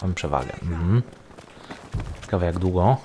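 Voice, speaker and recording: A man commentates casually over his video game in a fairly low voice. He rambles and thinks aloud as he goes, with game noise audible behind him. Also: expressive, moderate pace. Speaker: gaming video host.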